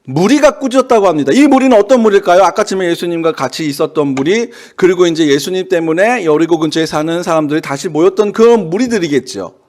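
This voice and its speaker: A young male pastor delivering an early morning sermon. His voice sits high and swings widely in pitch as he preaches. He keeps asking his listeners questions and now and then breaks into shouts. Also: fast, few pauses. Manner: animated preaching, rhetorical questions, bursts of shouting. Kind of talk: dawn service sermon.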